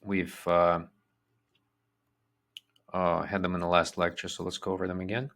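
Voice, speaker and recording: A man teaching a vocabulary lesson, repeating each word twice in a slow, patient way. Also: low voice, little pitch movement, fairly bright tone. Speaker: language teacher.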